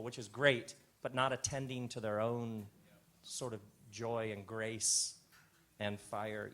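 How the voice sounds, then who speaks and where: A man speaking live from a theater stage, with a middle-pitched, ordinary voice. He talks as a reflective storyteller, easing soft and slow on the lines he wants to land. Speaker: host. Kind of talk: live stage talk with stories.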